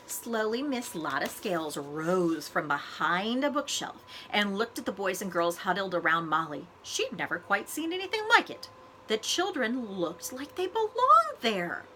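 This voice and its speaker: Female storybook reader, librarian type; bright, expressive, animated delivery, some noise behind her. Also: mid-range voice, low-quality recording. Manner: expressive, deliberate phrasing for children. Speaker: school librarian reading aloud to students. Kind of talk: animated children's storybook read-aloud.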